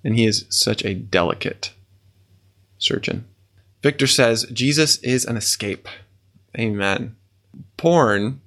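A man's voice: fairly low pitch, fairly bright tone. A man hosting a faith podcast, reading listener comments and responding with earnest, awed exclamations. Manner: earnest, exclaims in awe and wonder. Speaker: podcast host.

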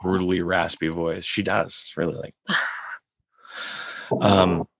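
A man with a raspy voice, hosting a casual podcast chat and rambling with many restarts. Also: deep voice, level tone, takes it slowly, a bit bright, no room sound.

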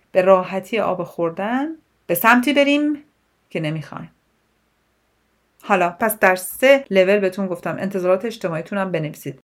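A young woman from Iran speaks as a life coach in her own podcast. Her voice sits a little low, and her delivery is direct and animated. She keeps firing rhetorical questions at the listener. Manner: animated, direct, asks rhetorical questions and mixes in English words. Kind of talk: solo advice podcast monologue.

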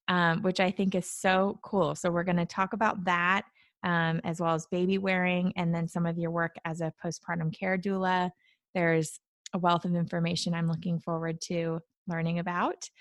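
Upbeat woman podcast host. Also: lowish voice. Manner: upbeat and friendly, scripted intro. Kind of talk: podcast intro and interview.

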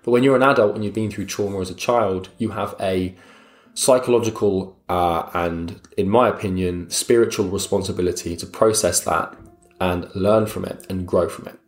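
A man's voice: sits low, moderate pace, faint music behind. A young man giving a blunt, motivational talk straight to the listener, swearing casually and calling him mate. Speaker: motivational speaker. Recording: roomy echo.

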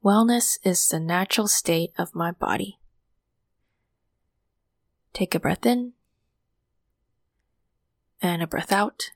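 Calm woman hosting a meditation podcast. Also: lowish voice, dry recording, studio quality. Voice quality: calming voice. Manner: soft, slow guiding with whispered breath cues. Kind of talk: guided meditation.

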